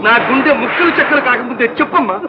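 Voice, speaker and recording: An anguished young man raging at his mother. He talks fast in a very high, strained voice. The old film sound is dull, with loud music behind. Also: noisy background. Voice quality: anguished, shouting. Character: young man, betrayed and furious son. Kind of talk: dubbed film melodrama.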